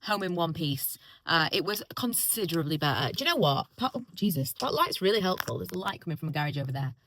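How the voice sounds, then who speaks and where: A woman's voice: on the low side, expressive, quick pace, fairly bright tone. A woman vlogging casually, rambling in a self-deprecating way and repeating phrases for emphasis. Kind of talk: casual chatty vlog to camera.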